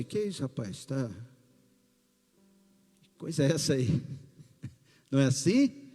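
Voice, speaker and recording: A male pastor with a Brazilian Portuguese accent, preaching a sermon in a slow, emphatic way with rising bursts. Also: fairly high pitch. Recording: long hall reverb with faint music.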